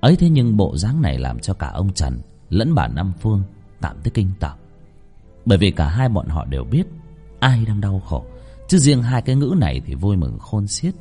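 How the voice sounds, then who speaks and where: A man narrating a ghost story with a dramatic, lively reading. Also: sits low, moderate pace, husky, faint music behind.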